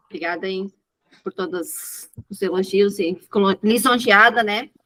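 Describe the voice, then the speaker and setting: A woman's bright, sharp, medium-pitched voice at a moderate pace, with ordinary pitch variation. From southern Brazil. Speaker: innovation executive and speaker. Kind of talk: online presentation.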